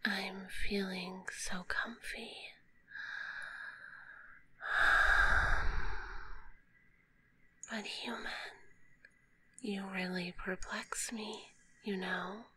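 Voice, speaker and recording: A woman voicing a kind, shy, sleepy spider monster in a gentle ASMR roleplay, with a soft breathy whisper and formal, polite wording, close on a binaural microphone. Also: mid-range voice, fairly even intonation, extremely slow, pauses often, low-quality recording. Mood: gentle, cozy. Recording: close binaural recording, faint background noise.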